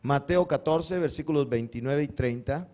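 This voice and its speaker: A man's voice: a little high, moderate pace, a little mellow. Male pastor, preaching a Sunday sermon with questions and dramatic retellings. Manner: asks the congregation questions and answers them himself; acts out biblical cries dramatically.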